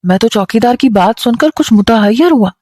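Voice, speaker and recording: A woman storyteller giving scripted first-person story narration in a steady, even delivery. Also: on the high side, moderate pace, dry recording.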